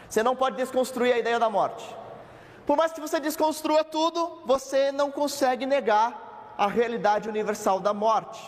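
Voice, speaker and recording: There is noticeable noise in the background. Over it, a man speaks at an extremely high pitch. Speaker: preacher. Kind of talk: sermon. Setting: church. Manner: emphatic, rhetorical pulpit delivery with questions; earnest, didactic, persuasive.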